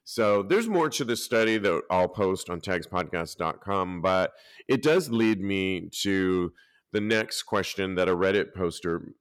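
A man hosting a casual podcast, talking lively and reading out articles and listener posts. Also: low voice, a little slow, clean tone, no echo, clean studio sound. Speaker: podcast host.

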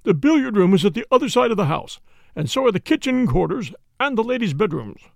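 A man's voice: high-pitched, very animated, brisk, gravelly, darkish tone, no echo, clean studio sound, pitched above the performer's own voice, heavily acted. A man voicing a proper, deferential butler in an audiobook, formal and servile, easily shocked. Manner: formal, servile, punctuated with "sir". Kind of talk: audiobook character dialogue.

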